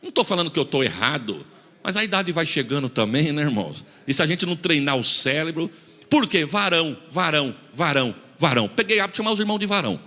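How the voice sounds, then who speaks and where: Male São pastor, rapid and bright, lively story sermon, echoing hall. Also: fairly high pitch. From São Paulo state, Brazil. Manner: animated, acts out dialogue, rising to emphatic shouts. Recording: reverberant church hall.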